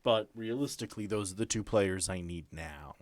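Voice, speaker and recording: A man acting as game master, narrating a tabletop role-playing game in a deliberate, descriptive way with pauses mid-sentence. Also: on the low side. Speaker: game master and host of an actual-play podcast. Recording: background music under the voice.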